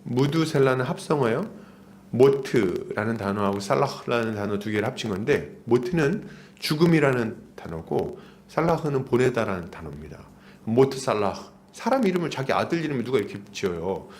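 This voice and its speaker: A man's voice: medium pitch, very animated, a little fast, a little mellow. A man of about forty preaching an expository sermon as a pastor, using emphatic repetition and rhetorical questions.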